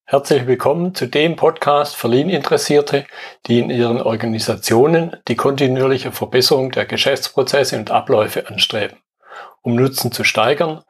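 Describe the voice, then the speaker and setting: A man hosting a podcast, reading a scripted intro and then moderating a group discussion in a brisk, organized way. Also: medium pitch, breathy edge. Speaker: podcast host.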